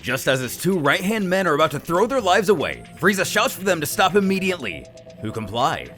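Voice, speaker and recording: A man narrates a dramatic story recap in a theatrical style. His voice sits a little high and swings animatedly, building suspense, with a music bed underneath. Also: big pitch swings, fairly quick, fairly bright tone. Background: background music.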